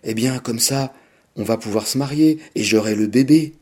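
A man putting on a soft, tearful young woman. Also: mid-range voice, moderate pace, slightly rough, natural voice. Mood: tender.

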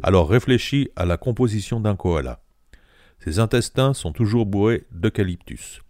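Man reading as a sly old bushman, tall tales, deep voice, dark tone, dry close sound. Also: animated, moderate pace, no room sound, lightly acted. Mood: yarn-spinning. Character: old male bush storyteller, sly and tall-talking.

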